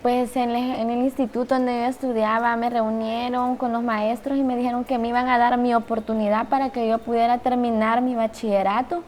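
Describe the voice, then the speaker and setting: A Salvadoran woman in her twenties speaking in an interview, in a quiet, reflective way. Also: on the high side, little pitch movement, fairly quick, few pauses, a little hiss or hum. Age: 20s.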